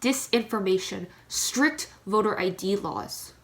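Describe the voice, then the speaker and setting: A woman giving serious, deliberate scripted narration in a readers theater performance. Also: medium pitch, fairly bright tone.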